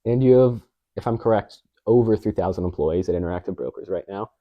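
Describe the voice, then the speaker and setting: Male interviewer, quick, wordy questions, slightly low voice, dry sound. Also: no echo, phone-quality sound. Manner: long, wordy questions full of setup.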